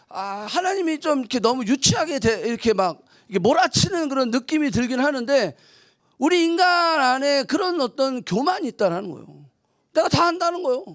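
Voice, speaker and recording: A woman pastor preaches in a casual, talkative way. Her voice sits very high, and she swings from quiet asides to loud, emphatic bursts. The sound is close and dry, with no room echo. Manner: acts out mock quotes in a teasing tone. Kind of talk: conversational sermon.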